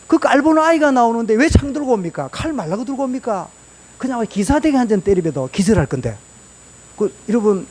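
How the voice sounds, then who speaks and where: A man's voice: high voice, a little mellow. A male pastor preaching a sermon in church, firing rhetorical questions at the congregation. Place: church sanctuary.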